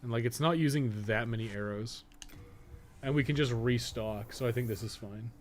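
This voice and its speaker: A man's voice: mid-range voice, moderate pace. Man chatting casually over noisy background. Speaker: podcast co-host and game guide maker. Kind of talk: casual game stream commentary.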